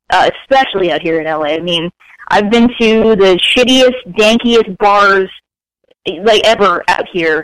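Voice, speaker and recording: Fairly slow delivery in an ordinary speaking voice, its pitch variation ordinary. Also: woman, medium pitch for a woman. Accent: American. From South Florida (Fort Lauderdale). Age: 30s. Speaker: recording artist. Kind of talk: interview.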